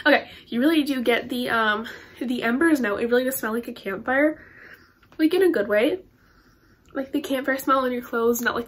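A woman's voice: fairly high pitch, a bit bright. A teenage girl with a stuffed-up nose reviewing a candle haul to camera in her bedroom, chatty and rambling with lots of ums and likes. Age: teens. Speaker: beauty and candle vlogger. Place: bedroom with Christmas tree and curtains, indoors.

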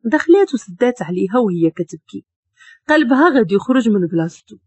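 Lively Moroccan woman storyteller. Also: a little high, quick pace, breathy edge, dry recording. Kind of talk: story narration.

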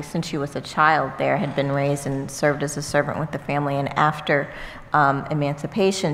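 A woman's voice: low-pitched, a little hiss or hum. A woman representing a museum on a stage panel, speaking carefully and measuredly with many fillers. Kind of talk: panel discussion. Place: auditorium stage before an audience. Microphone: table microphone. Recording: long hall reverb, faint ambience.

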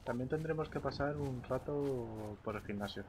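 Male gamer, Castilian Spanish accent, mid pitch, casual in-character chat, noticeable background game noise. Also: moderate pace. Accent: Spain Spanish. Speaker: gaming roleplayer and streamer. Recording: noisy game audio with ambient sounds.

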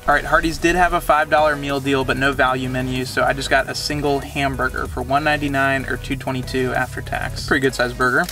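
A man's voice: medium pitch, level tone, fast talker, hardly any pauses, pushed and bright, soft background music. A young man chatting casually as a food vlogger from inside a car, filmed by a dashboard camera. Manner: upbeat, conversational, reviewing food. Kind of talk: casual vlog chat.

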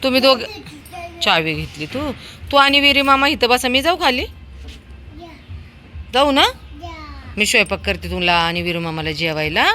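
With lively intonation and a sharp tone, a woman whose voice is a little high talks at a moderate pace, leaving long pauses. She is filming her dog and a small child on her home terrace for a casual video, coaxing them in a sing-song baby-talk voice.

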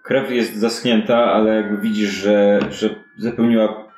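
A man narrating a fantasy detective tabletop game as game master, improvising in a conversational, halting way. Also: lowish voice, flat delivery, a little mellow, soft background music. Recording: roomy echo, audible background noise.

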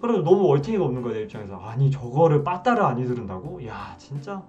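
A man's voice: medium pitch, fast talker. A man in his twenties from South Korea, casually telling a story to camera and acting out the scenes. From Wonju, South Korea. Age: 20s. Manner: animated, acts out scenes. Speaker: vlogger. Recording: dull sound, slightly distant, music behind.

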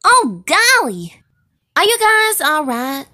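A woman's voice: high-pitched, wildly swooping pitch, slow pace, heavy background noise, full character voice. A woman voicing a perky, folksy animatronic chicken in an exaggerated, overacted cartoon fandub style. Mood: chirpy. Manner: exaggerated, gushing, folksy delivery.

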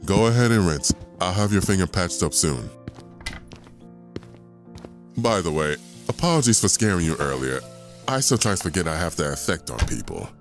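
A man playing a gentle, courteous adult werewolf doctor and father in an audio drama, speaking tenderly and politely. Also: sits low, very animated, moderate pace, pauses often, soft background music. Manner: tender, polite, soft-spoken storyteller.

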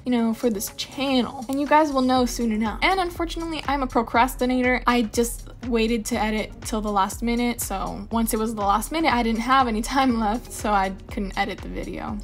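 A young woman chatting casually in a voice-over for her nail tutorial, rambling into asides and laughing often. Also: a little high. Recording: voice-over with faint music.

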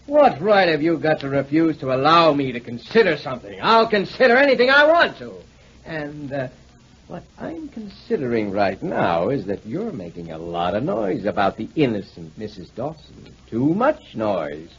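An actor playing a touchy, sarcastic, blunt police lieutenant in a 1940s radio detective drama. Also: male voice, fairly high pitch, big pitch swings, normal speed, a bit bright, husky, heavily acted. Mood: indignant, suspicious. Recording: dull, muffled old 1949 radio recording.

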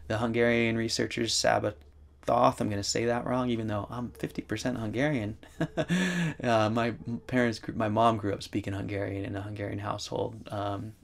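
Low gravelly man talking to camera. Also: level tone, normal speed. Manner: rambling, thinking aloud with many asides. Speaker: vlogger. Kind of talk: casual talk to camera. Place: wooden room by a large window.

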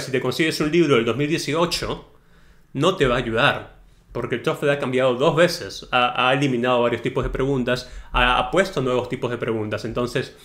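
A man's voice: medium pitch, fairly bright tone. A man tutoring for an English exam in a casual video lesson, talking straight to the viewer with frequent tag questions. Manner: chatty, tags sentences with ¿no? and ¿ok?; direct, advising tone, addresses the viewer as tú.

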